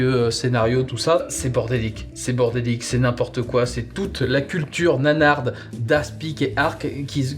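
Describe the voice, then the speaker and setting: A man presenting a comic, conversational review, rambling playfully and drawing out words for emphasis. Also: mid-range voice.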